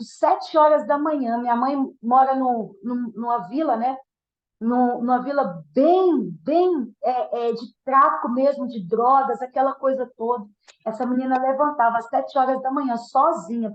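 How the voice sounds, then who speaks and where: A woman from giving an earnest, emotional testimony sermon, often restarting her sentences. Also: high voice. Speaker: guest minister giving a testimony. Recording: roomy, dull church sound.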